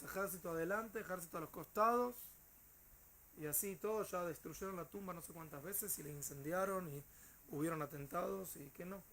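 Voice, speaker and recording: Speaking on the high side, a male teacher with a Rioplatense Spanish accent animatedly narrates a story to his students, using hesitant fillers. Slight background noise can be heard.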